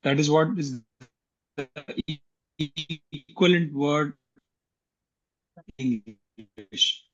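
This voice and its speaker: A man's voice: on the high side, takes it slowly, pauses often, fairly bright tone, highs cut off. A man from Tamil Nadu speaking as a guest, explaining earnestly and often repeating himself. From Tamil Nadu, India. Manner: earnest, repeats words, frequent fillers. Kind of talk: casual explanatory talk on an online call.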